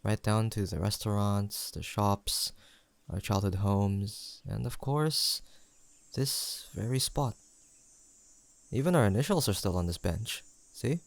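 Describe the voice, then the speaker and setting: Actor as low-voiced, sentimental young best friend. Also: male voice, vocal fry, no room sound. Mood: nostalgic, fond. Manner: soft-hearted, playful banter with pauses for an unheard listener. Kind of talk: intimate scripted audio roleplay.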